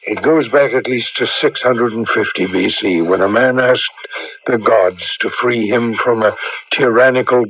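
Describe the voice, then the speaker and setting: An actor playing a grave, resolute Catholic priest and exorcist, solemn and deliberate, in a 1980s radio drama. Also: male voice, mid-range voice, no echo, lightly acted. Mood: weary, solemn. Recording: muffled old radio drama.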